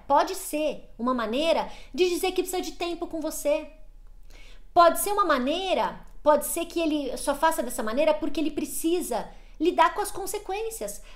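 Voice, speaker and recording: A woman coaching parents in casual advice talk, earnest, often acting out short parent and child lines. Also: high-pitched. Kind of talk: talking to camera, advice talk.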